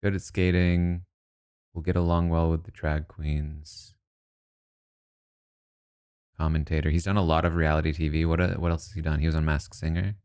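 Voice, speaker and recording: A man's voice: very deep voice, level tone, normal speed, pauses often, darkish tone, clean tone. A man casually commenting and thinking aloud as he reacts to news about a reality show cast. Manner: musing, thinks aloud, asides.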